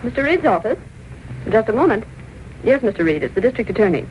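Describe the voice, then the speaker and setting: A brisk, sassy newspaper secretary. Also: female voice, on the high side, sing-song, a little mellow. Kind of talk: 1930s radio drama acting. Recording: hissy, muffled 1930s radio broadcast.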